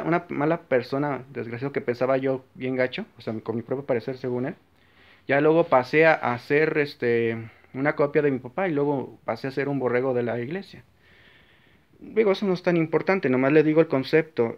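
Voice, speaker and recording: A man with a Mexican accent giving a blunt, forceful, rambling monologue about his faith, with frequent restarts. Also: fairly high pitch. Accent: Mexican Spanish. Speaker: Catholic video maker. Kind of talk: informal religious monologue. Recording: slightly dull, lo-fi recording.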